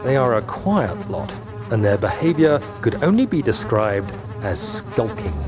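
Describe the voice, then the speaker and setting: An actor playing a young, troubled Englishman who reads his diary in measured, formal phrases. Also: on the low side, very animated. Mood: calm, reflective. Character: young Englishman writing a haunted, fearful travel diary. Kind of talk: dramatic diary narration.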